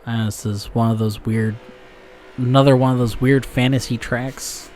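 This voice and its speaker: A man's voice: medium pitch, fairly even intonation, normal speed, a little mellow, a little hiss or hum. A young man casually commentating a racing game as he plays, rambling with lots of fillers and the odd curse. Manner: rambling with frequent fillers and profanity. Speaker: gaming channel host.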